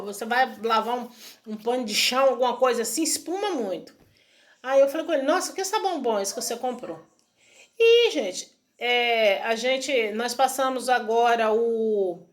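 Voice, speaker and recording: A woman telling a casual testimonial to camera in a chatty, repetitive way, retelling conversations. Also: on the high side. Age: adult student. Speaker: vlogger sharing a home remedy.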